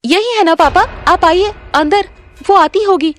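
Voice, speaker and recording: A woman's voice: very high-pitched, unhurried, a little hiss or hum, voice pushed up. Woman voicing a gushing spoiled young daughter. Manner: gushing, excited. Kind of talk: animated storybook voice acting.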